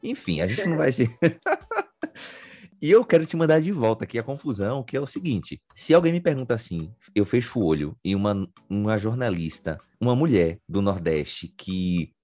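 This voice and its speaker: A man's voice: lowish voice, sing-song, moderate pace, darkish tone, faint music behind. A man from Bahia with a Bahian accent, hosting a podcast interview in a chatty style full of fillers and restarts. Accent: Bahian Portuguese. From Bahia, Northeast Brazil. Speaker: podcast host. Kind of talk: casual interview chat.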